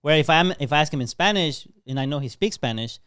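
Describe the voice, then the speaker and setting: A man co-hosting a podcast, calmly explaining his reasoning in casual chat. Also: fairly high pitch, fast, clear, resonant tone, dry recording, studio quality. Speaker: podcast co-host.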